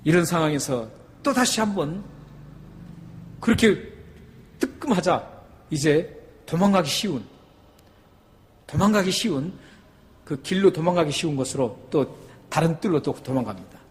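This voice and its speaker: A male pastor delivers a sermon in a sanctuary, his slightly high voice climbing to loud, emphatic peaks. He keeps asking the congregation questions. A long reverb from the hall hangs behind every phrase. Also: animated, measured pace, pauses often. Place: church sanctuary.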